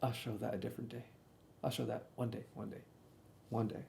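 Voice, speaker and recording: Mellow-voiced young man rambling through a story. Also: mid-range voice, level tone, creaky, slight background noise. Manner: slangy, halting, repeats himself. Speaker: storytime streamer. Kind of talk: casual rambling storytime commentary over old videos.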